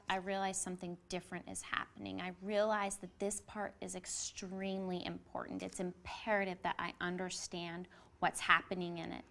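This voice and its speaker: A woman teacher speaks to her students in a bright, crisp voice. She leads the discussion and reads the novel aloud with clear, expressive delivery. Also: medium pitch. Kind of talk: classroom read-aloud and discussion.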